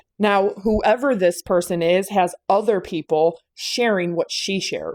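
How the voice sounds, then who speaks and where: A woman speaks at a fairly slow pace in an animated tone with ordinary pitch variation. The recording is very clean, with a silent background. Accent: Michigan. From Michigan, US Midwest. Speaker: true crime commentary YouTuber. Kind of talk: commentary rant.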